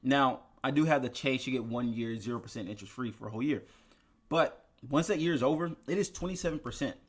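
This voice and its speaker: A man's voice: mid-range voice, fast talker, slightly rough. A young man chatting casually in an investing vlog, tired from little sleep and talking in a rambling way with many restarts. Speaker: finance YouTuber.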